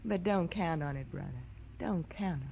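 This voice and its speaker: A woman's voice: fairly low pitch, normal speed, vocal fry, dull audio. An actress playing a brassy, hot-tempered, tough-talking young girlfriend in a 1940s radio detective drama. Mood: defiant. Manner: slangy, tough-talking, defiant. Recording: old radio recording with background noise.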